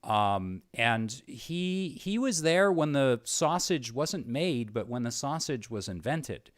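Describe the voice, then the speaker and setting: A man hosting an interview show in an unscripted, conversational way, halting and repeating words, earnest and effusive. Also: medium pitch, very animated, no echo, studio quality.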